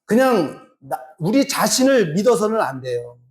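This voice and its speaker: A man's voice: high voice, big pitch swings. A male pastor preaching a sermon in a church, acting out little exchanges to make his points. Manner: slow, drawn-out preaching with acted-out dialogue. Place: church sanctuary.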